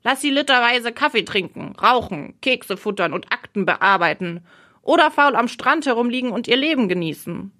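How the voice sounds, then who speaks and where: A woman's voice: a little high, lively intonation, moderate pace, bright, forceful tone. A woman voicing a cheeky needling male bird. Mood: lecturing. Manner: challenging, questioning. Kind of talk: audiobook role reading.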